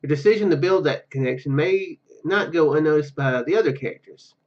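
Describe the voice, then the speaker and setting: A man hosting a gaming video, commenting casually and reading game text aloud in a halting, rambling way. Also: a little high, darkish tone, highs cut off.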